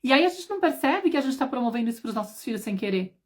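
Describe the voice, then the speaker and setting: Fast-talking woman hosting a live chat. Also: on the high side, sing-song. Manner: chatty storytelling, many asides and tag questions. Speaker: parenting mentor hosting a live. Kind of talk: casual livestream talk.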